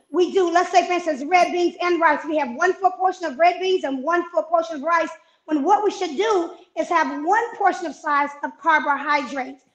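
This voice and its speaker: High-voiced energetic woman in her fifties. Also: echoey room, rough recording. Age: 50s. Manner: energetic, coaching, emphatic repetitions. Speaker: fitness and nutrition guest. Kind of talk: casual video-call chat giving healthy eating tips. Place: home kitchen, indoors. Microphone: wireless earbuds on a video call.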